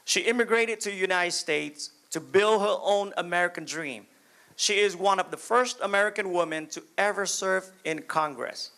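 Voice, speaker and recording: A man's voice: high voice, gravelly, pushed and bright. A man acting as emcee, giving a formal introduction of the next guest at a ceremony. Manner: formal, announcing.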